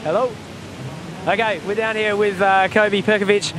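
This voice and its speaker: A man's voice: high-pitched, steady tone, normal speed, a crowd in the background, poor audio. A man doing a casual beachside interview, asking friendly, upbeat questions.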